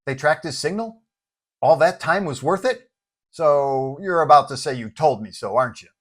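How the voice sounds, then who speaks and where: A man's voice: on the high side, lively intonation, normal speed. A man voicing a rattled, irritable superhero who complains in a dramatic, exasperated way.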